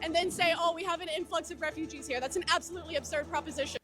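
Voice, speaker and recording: A woman with a very high voice argues quickly and fervently at an outdoor protest. Music plays under her words. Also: fairly even intonation, a bit bright. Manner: fervent, rhetorical. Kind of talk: impassioned political argument.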